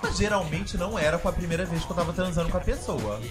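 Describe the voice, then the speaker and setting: A campy man trades jokes in a loose, comedic chat and laughs often. His voice sits a little high. Music plays clearly beneath him. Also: quick pace. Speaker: podcast host.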